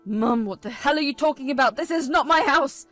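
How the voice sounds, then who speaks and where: A firm, frustrated young husband, voiced by a woman narrator with a high voice that stays loud and insistent. He holds his ground and demands answers. This is a storybook reading with faint music underneath. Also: a little fast. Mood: angry.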